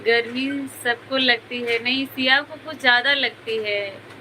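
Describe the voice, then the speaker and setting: A woman's voice: fairly high pitch, fairly even intonation, a little slow, pushed and bright. A woman hosting a casual live stream from home, chatting with viewers and greeting them by name. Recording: noisy home ambience behind the voice.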